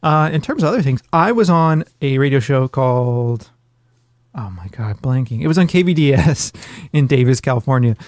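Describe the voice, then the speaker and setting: A man's voice: medium pitch, darkish tone, no room sound, clean studio sound. A man co-hosting a podcast in casual chat, rambling and self-deprecating with jokes. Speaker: podcast co-host.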